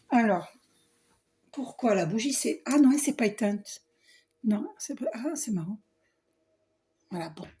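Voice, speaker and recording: A hoarse middle-aged woman with a husky voice, talking casually in a spiritual vlog, often clearing her throat and trailing off. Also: medium pitch. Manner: frequent throat clearing and coughing; hesitant, restarts, soft asides. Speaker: spiritual vlogger. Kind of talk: casual spiritual vlog, reading card box aloud.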